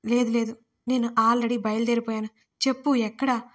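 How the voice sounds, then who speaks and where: A woman's voice: a little high, level tone, normal speed, fairly bright tone. Varsha, a heartbroken young woman, read by a woman. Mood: pleading. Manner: pleading, sobbing delivery. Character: grieving young woman, desperate and tearful.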